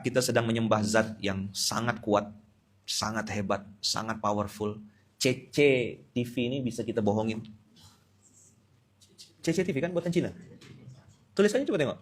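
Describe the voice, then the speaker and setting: A man's voice: medium pitch, slightly rough. A man from Indonesia, preaching a dawn sermon with humor and Quran recitation.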